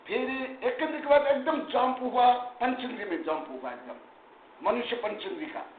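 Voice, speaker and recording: A man's voice: extremely high pitch, very animated, brisk. A man teaching a scripture study class as a monk-teacher, emphatic and chiding, dropping English terms into his speech. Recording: echoey room, tinny phone-like sound, faint noise.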